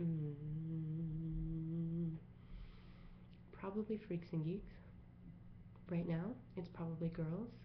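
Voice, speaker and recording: Whispering and soft-spoken, a woman with an American accent talks over noticeable background noise. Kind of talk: casual talk to camera. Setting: ASMR video, close microphone. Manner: soft-spoken, whispered.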